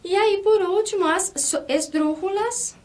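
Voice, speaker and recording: Brazilian woman, teacher, high-pitched voice, clear step-by-step explanations, counts syllables out loud. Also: measured pace. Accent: Brazilian Portuguese. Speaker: Spanish teacher. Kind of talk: online language lesson.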